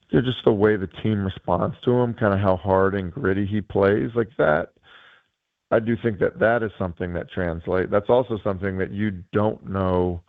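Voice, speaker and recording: Hoarse man on a tinny phone line. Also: lowish voice, no room sound. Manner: rambling, many fillers and restarts. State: hoarse, losing his voice. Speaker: guest analyst and high school coach. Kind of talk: casual sports radio chat.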